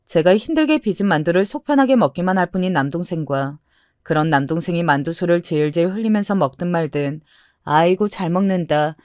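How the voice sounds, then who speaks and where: A woman reading a first-person story aloud, steady and confessional, with a somewhat low voice. The recording is close and dry with no room echo. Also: fast talker. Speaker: story narrator. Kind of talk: storybook narration.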